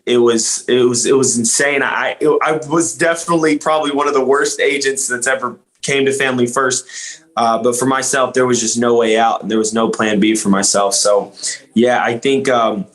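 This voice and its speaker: A man's voice: medium pitch, a bit bright, poor audio. Earnest young man telling his story. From Louisiana. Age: young adult. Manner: earnest, rambling, many fillers and restarts. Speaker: guest, insurance agent. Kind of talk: casual podcast interview.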